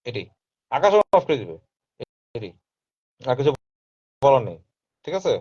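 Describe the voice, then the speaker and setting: A man's voice: medium pitch, sing-song, normal speed, dark tone, breathy edge. A man talking casually and insistently, repeating his points and dropping in English phrases. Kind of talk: casual live talk. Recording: dull lo-fi sound.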